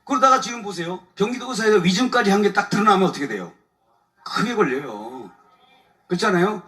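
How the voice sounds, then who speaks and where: A man's voice: high voice, animated, a little fast, bright, forceful tone, recorded from a distance. A man, a lawyer, giving a colloquial testimony at a church service, telling his grievances with frequent chuckles. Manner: colloquial, chuckles often, aggrieved storytelling. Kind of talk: animated testimony talk. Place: church evening service before a congregation.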